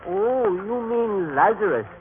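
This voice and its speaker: A man's voice: sits high, lively intonation, slow, slight background noise. An actor playing a devout townsman who speaks with emphatic, solemn conviction in a vintage radio drama. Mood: earnest conviction. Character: devout townsman, believing male eyewitness. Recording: tinny band-limited old radio recording.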